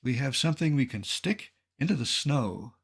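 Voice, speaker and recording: Older guy in his 70s giving a slide talk, gravelly husky voice, dry jokes. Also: mid-range voice, expressive. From Colorado, United States. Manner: dry, wry humor with measured delivery. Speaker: naturalist giving a public slide lecture. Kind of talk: illustrated lecture with storytelling.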